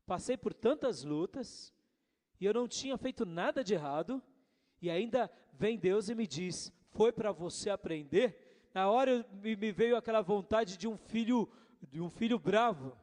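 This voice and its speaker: A pastor preaching a sermon, telling a personal story and calling the congregation brothers. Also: male voice, high-pitched, expressive, moderate pace, darkish tone. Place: church hall. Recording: long hall reverb.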